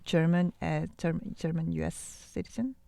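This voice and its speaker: A South Korean radio host, a native Korean speaker with a Korean accent, interviews a guest and interprets for listeners. Her voice is lowish, gravelly, and dark in tone, and she talks at a normal speed.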